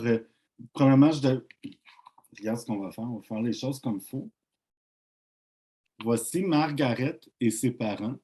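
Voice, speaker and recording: Mellow, husky man presenting books. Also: medium pitch. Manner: relaxed, conversational, reads passages aloud slowly. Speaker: book presenter. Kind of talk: presentation with read-aloud.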